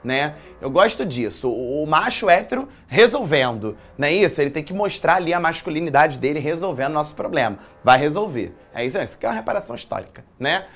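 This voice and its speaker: A man with a Brazilian accent teaching a live online exam-prep writing class from a studio, chatty and lively, quizzing his viewers with slangy asides. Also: fairly high pitch, fast talker, few pauses. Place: studio in a commercial building.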